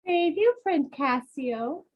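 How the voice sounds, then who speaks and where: A lovesick young mistress, reproachful and languid, read by a woman, in a Shakespeare play. Her high voice moves slowly, on a slightly dull lo-fi recording. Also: animated. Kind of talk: Shakespeare read-aloud, dramatic verse. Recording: dull lo-fi sound.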